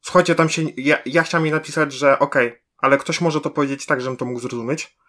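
A man's voice: fairly high pitch, fairly even intonation, a little fast, fairly bright tone. A man co-hosting a casual podcast chat. He rambles and restarts his sentences, picking up energy as he argues his point. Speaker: podcast co-host.

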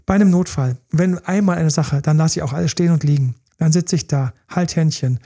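Gravelly husky man coaching on relationships. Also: fairly high pitch, brisk, dark tone. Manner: acts out partners' quoted pleas, drops to whispers. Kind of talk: casual podcast talk.

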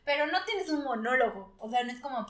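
A woman with a Mexican accent hosting a casual chat, crude and excitable, often breaking into laughter. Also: high-pitched, fairly quick. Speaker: podcast host. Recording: echoey room.

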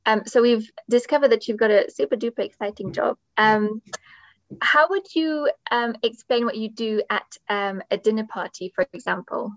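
A woman's voice: fairly high pitch, normal speed, no echo. A woman hosting a podcast in a conversational interviewing style. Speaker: podcast host. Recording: dull, band-limited dry microphone sound.

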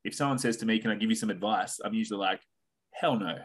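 A podcast guest with an Australian accent talks casually in a reflective, philosophical way, swearing offhandedly. His voice is lowish and fast, with a breathy edge.

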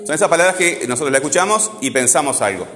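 A man's voice: on the high side, lively intonation, quick pace, fairly bright tone. Patient male teacher, echoey classroom. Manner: patient, questioning, uses verbal checks like "¿tá?". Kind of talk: classroom lesson on word stress. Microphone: wearing a face mask. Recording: echoey classroom with long reverb.

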